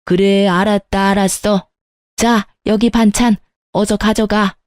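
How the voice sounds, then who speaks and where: A woman voicing a bossy, scolding middle-aged mother-in-law who gives curt, slow commands. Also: mid-range voice, little pitch movement, dry recording, clean studio sound, lightly acted. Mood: dismissive.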